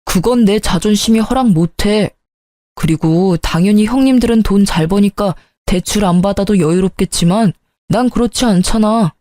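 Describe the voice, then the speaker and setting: A woman voicing a self-justifying husband, dismissive, brusque, warm low tone, storybook reading. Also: moderate pace, no room sound, close to an everyday voice. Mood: defensive. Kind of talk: storybook narration.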